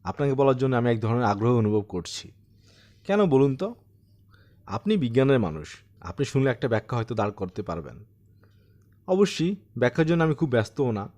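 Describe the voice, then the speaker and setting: A man's voice: medium pitch, big pitch swings, brisk, pauses often, darkish tone, natural voice. A man voicing a talkative, bookish retired old widower in an audiobook, courteous, insistent and conversational. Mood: eager, courteous.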